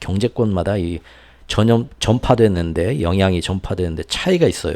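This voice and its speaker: The tone is dark and mellow. A man delivers his words at a moderate pace. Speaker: economics commentator. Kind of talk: casual monologue commentary. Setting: solo livestream-style recording. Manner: words often tangled, mispronounces; conversational, filler-heavy.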